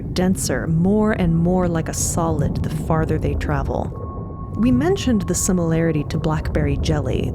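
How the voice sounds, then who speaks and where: Expressive lowish-voiced woman storyteller. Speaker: podcast narrator. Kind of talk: dramatic scripted narration. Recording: loud music bed under the voice. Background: music.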